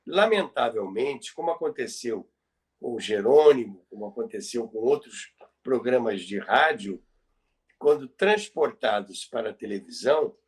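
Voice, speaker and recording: A man's voice: medium pitch, expressive, measured pace. A Brazilian man telling radio history conversationally as a podcast presenter, explaining things emphatically and repeating key phrases for effect.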